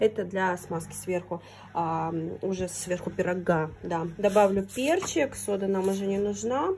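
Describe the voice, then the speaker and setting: A woman talks fairly slowly at a medium pitch, with ordinary pitch variation. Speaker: vlogger. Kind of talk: casual vlog narration. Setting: outdoors by the sea. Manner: animated.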